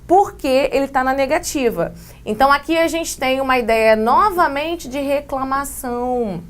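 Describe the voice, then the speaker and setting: A woman English teacher with a Brazilian Portuguese accent, giving a video grammar lesson with lively explanations and playful asides. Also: high voice.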